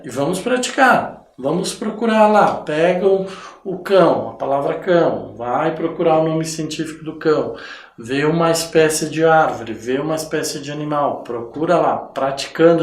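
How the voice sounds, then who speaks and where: A man from Brazil, teaching a recorded online biology lesson, explaining slowly and ending phrases with checking tags. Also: fairly high pitch, reverberant. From southern Brazil.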